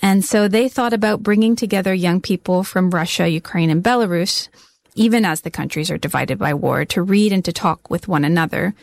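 A woman hosts the show and sets up the segment, calm and explanatory in tone. Her sound is dry and close, with no room around it. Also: fairly low pitch, fairly quick, gravelly, no room sound. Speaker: radio show host. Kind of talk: show introduction.

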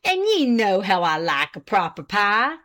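A woman's voice: mid-range voice, sing-song, measured pace, fairly bright tone. A woman voicing a pompous, self-important old farmer husband with an indignant, boastful rural drawl.

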